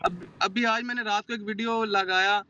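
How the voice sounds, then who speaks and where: A man's voice: high voice, fairly even intonation, moderate pace, pushed and bright, lo-fi sound. A man with a sore throat, an aspiring singer talking earnestly on a morning show over a remote link, mixing in English words. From Pakistan. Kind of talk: casual chat on a TV morning show.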